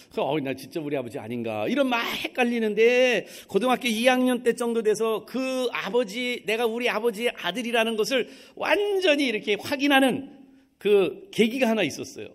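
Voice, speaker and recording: A man's voice: extremely high pitch, expressive, normal speed. A middle-aged man preaching a sermon in a church, telling a personal story and acting out the voices of the people in it. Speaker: pastor. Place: church sanctuary.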